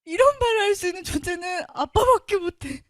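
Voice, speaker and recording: Woman, high voice, dry close sound, earnest emotional Christian testimony. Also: expressive, fairly quick, no room sound. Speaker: testimony speaker.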